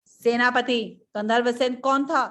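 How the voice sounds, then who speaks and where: Woman doing a panicky shrill minister. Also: fairly even intonation, fairly bright tone. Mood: frantic. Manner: panicky, apologetic, rapid. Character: flustered, panicky royal minister.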